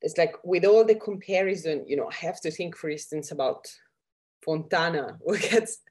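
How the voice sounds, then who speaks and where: A woman's voice: fairly low pitch, normal speed, darkish tone. A woman speaking as a podcast guest in casual discussion, searching for words with many fillers and restarts. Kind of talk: conversational discussion.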